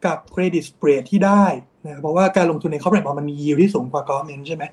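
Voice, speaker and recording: A man's voice: a little high, normal speed, a little mellow. A man giving an explanatory commentary on bond markets, often tagging his sentences with polite particles. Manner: explanatory, mixes English finance terms, frequent polite particles. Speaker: investment strategist.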